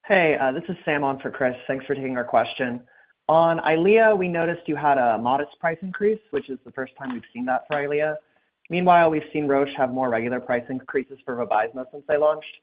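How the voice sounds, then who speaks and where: A man's voice: a little high, a little fast. A man asking a question as a financial analyst on an earnings call. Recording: tinny phone line.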